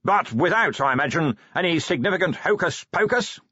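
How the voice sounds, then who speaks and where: A man voicing a loud, booming, jovial old wizard who runs a university, hearty and exclamatory in an audiobook. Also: expressive, fairly quick, husky, no echo, highs cut off, exaggerated voice. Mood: intrigued, hearty.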